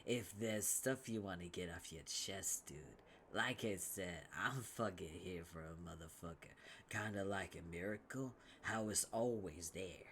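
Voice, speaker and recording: Man doing a chill, foul-mouthed troll bro; soft, low, lazy drawl. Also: a little slow, slight background noise. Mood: mellow. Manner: drawling, mellow, swears constantly. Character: laid-back, foul-mouthed young male troll clown.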